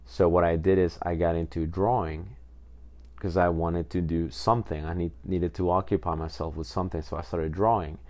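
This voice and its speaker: A very deep-voiced man from Peru hosts a podcast, telling his life story in a loose, rambling way. His voice stays level and even, with many "you know"s and repeated words. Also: moderate pace. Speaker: podcast host. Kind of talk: casual personal storytelling.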